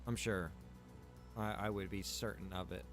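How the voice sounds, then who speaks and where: Lower-voiced man rambling through a game stream. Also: steady tone, moderate pace, over music. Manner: rambling, thinking aloud. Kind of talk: casual livestream gameplay chat.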